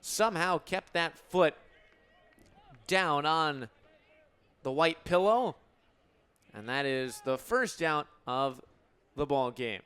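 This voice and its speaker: An American man in his twenties calling live baseball play-by-play for radio in a crisp, descriptive announcer delivery. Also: fairly high pitch, expressive, takes it slowly, pauses often, a bit bright. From Illinois, United States. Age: 20s.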